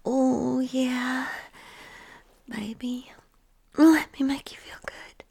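A woman in an intimate adult audio roleplay, speaking in a breathy, often whispered voice with a sensual, coaxing delivery. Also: high-pitched, fairly even intonation, drawn-out words, a little mellow. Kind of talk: erotic audio roleplay, intimate address to listener.

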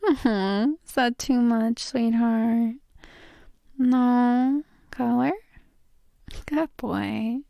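A woman performing intimate adult roleplay as a dominant, affectionate lover, murmuring drawn-out praise and sometimes slipping toward a whisper. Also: a little high, gravelly, no room sound, lo-fi sound. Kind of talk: intimate erotic audio roleplay addressed to the listener.

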